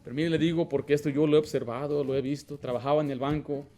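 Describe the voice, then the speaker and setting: Pastor guy preaching in church, pretty high voice, gets loud and asks the crowd stuff. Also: fairly even intonation, fast, slight background noise. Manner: preaching with rising emphasis, asks the congregation questions. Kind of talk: sermon.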